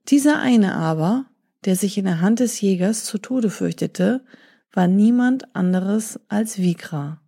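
A woman reads a storybook tale aloud in a calm, measured way. Her pace is slow and unhurried, and her voice sits mellow and dark rather than bright. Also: mid-range voice, creaky, slightly rough. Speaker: narrator. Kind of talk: storybook reading.

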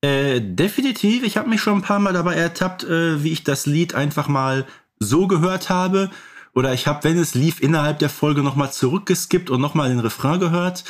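A man's voice: fairly high pitch, moderate pace. A man co-hosting a podcast, talking casually and conversationally as a fan. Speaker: podcast co-host.

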